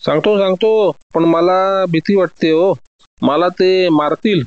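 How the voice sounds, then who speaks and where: A man's voice: high voice, moderate pace, no room sound, lo-fi sound, pitched above the performer's own voice, close to an everyday voice. A man reading a Marathi story, voicing a frightened male suspect who begs and cries as he pleads for mercy. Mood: terrified, pleading. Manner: whimpering, begging.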